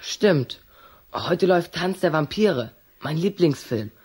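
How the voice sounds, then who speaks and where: An actress playing a cheeky, inquisitive young schoolboy in a radio play. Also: female voice, deep voice, animated, takes it slowly, darkish tone, breathy edge, heavily acted.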